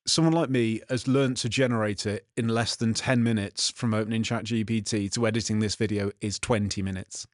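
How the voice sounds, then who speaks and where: With a fairly low, slightly nasal voice, a man from England's West Midlands speaks in Black Country English, chatting casually as a vlog host who is also a software developer. He talks a little fast with hardly any pauses and fairly even intonation, his manner sardonic and full of irritated grumbling. It's a studio-quality recording with no room sound.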